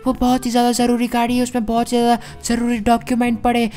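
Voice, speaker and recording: A woman's voice: fairly high pitch, monotone, quick pace, warm tone, faint music behind, close to an everyday voice. A woman voicing an insistent armored hero giving urgent orders in a gameplay role-play. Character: urgent armored male tech hero, bossy.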